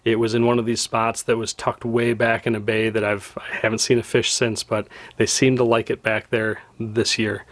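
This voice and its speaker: A man's voice: lowish voice, flat delivery, normal speed, no echo. A man in his thirties, a fishing channel host, narrating footage in a conversational, descriptive way into a close mic indoors.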